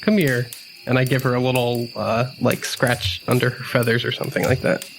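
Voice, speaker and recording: Mid-pitched man playing a tabletop game. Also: level tone, moderate pace, gravelly, noisy background. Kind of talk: casual in-character description during a role-playing game.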